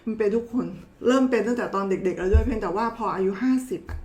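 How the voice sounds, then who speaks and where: A woman's voice: a little high, fast, darkish tone. A woman doctor giving a casual, chatty health explainer, talking to viewers in a familiar, teasing way. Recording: roomy echo.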